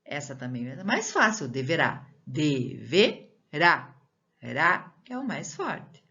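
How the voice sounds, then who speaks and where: Slow, patient Brazilian woman teacher. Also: sits low, huge pitch swings, bright, forceful tone, muffled recording. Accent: Brazilian Portuguese. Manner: slow, patient explaining with drawn-out syllables and frequent questions to the pupil. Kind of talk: recorded school lesson for children.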